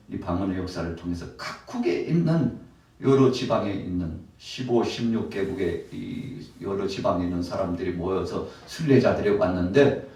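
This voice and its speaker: Male pastor, mid-pitched, preaching in a booming hall and heard from afar, rising to emphatic peaks. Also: darkish tone. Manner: preaching with rising emphatic peaks and frequent direct address to the congregation. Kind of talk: Wednesday service sermon. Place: church sanctuary. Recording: very echoey church hall, voice from a distance.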